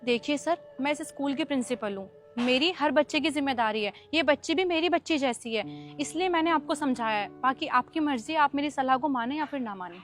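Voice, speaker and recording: A woman's voice: high voice, brisk, a bit bright, faint music behind. A woman playing a firm school principal who lectures a father about his child's safety. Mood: lecturing. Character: stern caring female school principal.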